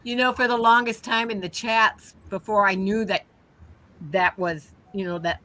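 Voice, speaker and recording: A woman's voice: mid-range voice, fairly even intonation, normal speed, bright, forceful tone. A woman from Ohio hosting a casual live stream, explaining things plainly with small restarts.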